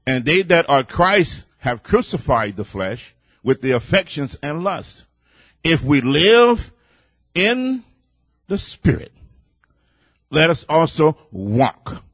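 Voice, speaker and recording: A man preaching a sermon in a loud, boisterous way, building up to near shouting and easing back into storytelling. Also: fairly high pitch, husky, dry recording.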